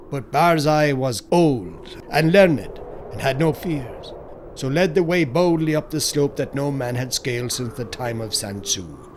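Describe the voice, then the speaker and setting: A man's voice: on the high side, a little hiss or hum. A man narrating a scripted horror audiobook in a solemn, theatrical storytelling manner.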